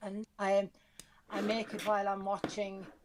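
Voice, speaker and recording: A woman with an Irish accent at medium pitch and a moderate pace. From Ireland. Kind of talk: interview. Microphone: quiet sound level.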